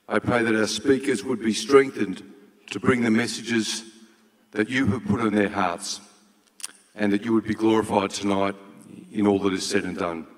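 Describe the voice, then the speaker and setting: A man in his sixties hosting an event from a stage, speaking formally in a measured, solemn way. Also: lowish voice, fairly even intonation. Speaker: event host. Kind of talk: formal stage introduction and prayer. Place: large auditorium stage. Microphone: handheld microphone. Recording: hall reverb from stage PA.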